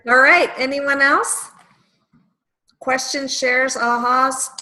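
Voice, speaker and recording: A woman's voice: high voice, fairly even intonation, slow, bright, forceful tone, poor audio. A woman coach leading a group call, encouraging and talking loosely with fillers and restarts.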